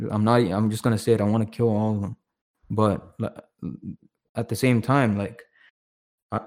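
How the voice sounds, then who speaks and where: A young man from Sri Lanka talking in a casual chat, halting and repeating words, with an intense edge. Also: fairly low pitch, a little mellow.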